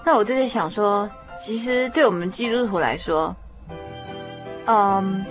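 A woman's voice: mid-range voice, unhurried, music in the background. A woman hosting a Christian radio interview in a conversational, attentive way. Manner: attentive, frequent short affirming murmurs.

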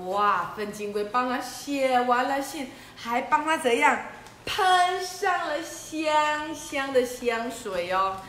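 Animated woman telling a children's story. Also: sits high, slow, roomy sound, slight background noise. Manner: animated, playful, addresses children.

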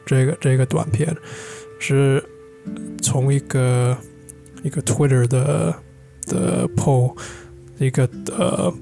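This podcast co-host, an English speaker, has a medium-pitched, mellow, creaky voice with fairly even intonation, and he talks slowly with frequent pauses. Soft background music plays while he chats casually in learner's Mandarin, hunting for words and mixing in English.

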